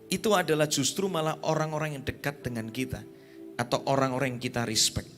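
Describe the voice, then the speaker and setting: A man preaching a sermon at a youth conference, emphatic, with sudden high exclamations. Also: fairly even intonation, fairly quick, a bit bright, soft background music.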